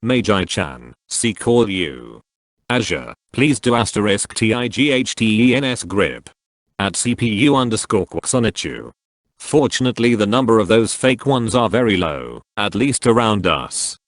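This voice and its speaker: Low-voiced man reading posts aloud. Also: very animated, moderate pace, dry recording, clean studio sound. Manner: reads handles and symbols out literally.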